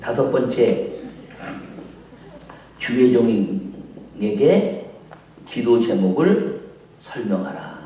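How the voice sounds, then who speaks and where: A male pastor preaching a sermon and telling stories, jumping between loud high acted voices and low quiet asides. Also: big pitch swings, drawn-out words, long pauses, a little hiss or hum. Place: church sanctuary. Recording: echoey church hall, mic at a distance.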